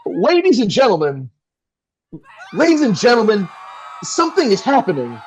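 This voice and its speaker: A man's voice: high voice, huge pitch swings, normal speed, a little hiss or hum. A man playing a flustered, melodramatic 1960s New York radio host with theatrical announcer delivery in an audio drama. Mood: excited, alarmed.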